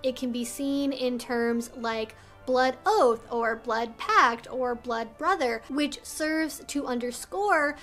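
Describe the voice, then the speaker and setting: A woman's voice: high voice, slow, hardly any pauses, fairly bright tone, faint music behind. A woman hosting an explanatory vlog, speaking in an articulate, conversational way and explaining things carefully. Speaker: video host. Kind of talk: explanatory educational vlog, talking to viewers.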